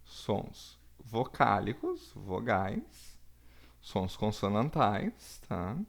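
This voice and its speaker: A man, teaching a recorded lesson with slow, deliberate explanations and frequent checks for understanding. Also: fairly low pitch, very animated, creaky. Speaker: Portuguese teacher.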